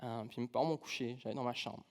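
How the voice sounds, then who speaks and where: A man's voice: medium pitch, fast talker. A man with an accent from France, preaching a conversational sermon in a church, casual and humorous, telling personal stories with many fillers. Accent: French from France. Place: church sanctuary.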